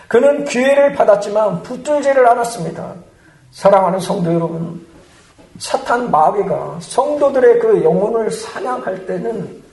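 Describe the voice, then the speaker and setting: A male pastor preaching a sermon in an earnest, emphatic manner in a church. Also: very high voice. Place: church sanctuary. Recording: echoey church hall.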